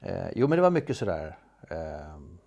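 A man's voice: low voice, sing-song, vocal fry, a little mellow. En man, skådespelare, som berättar avslappnat i en intervju, tvekande med många utfyllnadsljud och omstarter. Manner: hesitant, many fillers and restarts. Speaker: interview guest, actor. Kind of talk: casual storytelling interview.

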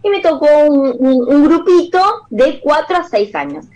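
A woman's voice: high voice, normal speed, no echo, low-quality recording. A woman with an Argentine Rioplatense accent, a children's singer, telling stories in a casual interview and acting out the voices of the people in them. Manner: animated, acts out the voices of people in her stories.

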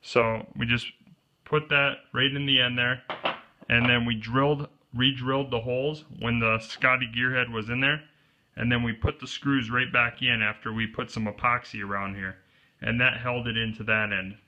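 A medium-pitched, steady male voice at a moderate pace guides viewers through a homemade camera pole build for kayak use, pointing to each part in plain terms. The audio sounds dull. He is off-camera, heard over an overhead shot of his hands at a wooden table indoors.

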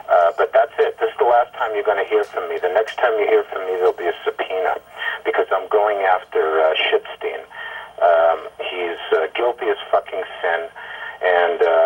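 An exasperated, profane man leaving rambling, irate voicemails over the phone, halting and stammering over repeated words. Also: low voice, slightly rough. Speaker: caller leaving voicemail messages. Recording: tinny, muffled telephone voicemail line.

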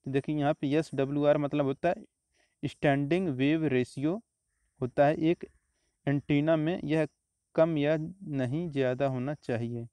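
Man, exam-prep teacher, mellow smooth voice, dry close mic. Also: fairly high pitch, no room sound. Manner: steady explanatory, repeats answers, frequent "तो देखिए" and "आपका". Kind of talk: explaining exam questions over slides.

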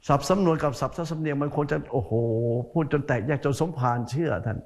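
A male Buddhist monk gives a folksy sermon, addressing his listeners directly as "sir" and repeating words for emphasis. His voice is on the high side and fast.

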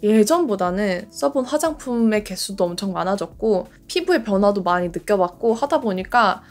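A woman's voice: mid-range voice, expressive, normal speed, soft background music. A woman in her late twenties chatting casually in a skincare vlog, gushing about products as she applies them. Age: late 20s. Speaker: beauty creator. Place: bedroom in front of a door.

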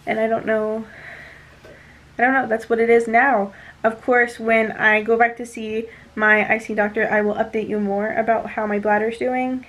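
A woman's voice: on the high side, little pitch movement, normal speed, fairly bright tone, low-quality recording. A young woman chatting casually in a home vlog, rambling with many fillers and a little out of breath. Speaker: vlogger.

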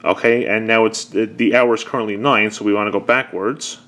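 A man's voice: on the low side, fairly even intonation, brisk, fairly bright tone. A man talking casually and unscripted, explaining a product step by step in a conversational way. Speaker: presenter demonstrating an old answering machine.

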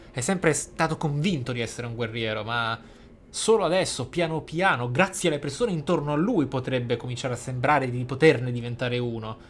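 A man hosting a role-play gaming video, commenting and reading in a reflective, explanatory manner. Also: mid-range voice. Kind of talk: role-play game commentary, some reading aloud of in-game text. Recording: faint noise and game ambience.

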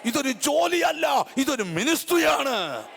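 A middle-aged woman preaching a fiery revival sermon, telling stories dramatically and breaking into shouts between amens and hallelujahs. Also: high voice, sing-song, measured pace, gravelly, slight background noise. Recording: long echo of a large hall.

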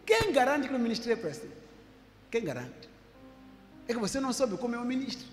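A male apostle preaching and demonstrating healing before a congregation, talking emphatically and repeating himself, sometimes rising to shouts. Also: extremely high pitch, sing-song, a little fast, soft background music. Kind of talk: sermon with live healing demonstration. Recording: echoey hall with faint noise.

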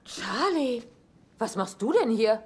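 A woman's voice: a little high, sing-song, takes it slowly, darkish tone, breathy edge, exaggerated voice. An actress in a German sitcom dub playing a young bride exasperated with her ex. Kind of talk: German-dubbed sitcom acting.

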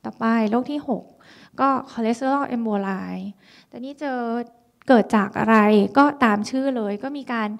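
Woman doctor lecturing, slightly high voice w/ some vocal fry, explains step by step. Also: measured pace. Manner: explanatory, mixes English medical terms, frequent polite particles. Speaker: dermatology lecturer. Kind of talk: medical lecture.

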